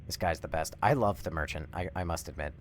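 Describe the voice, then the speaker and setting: A man doing casual live game commentary, rambling and swearing as he thinks out loud. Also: a bass voice, fast talker, faint music behind. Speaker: live streamer. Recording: faint background noise.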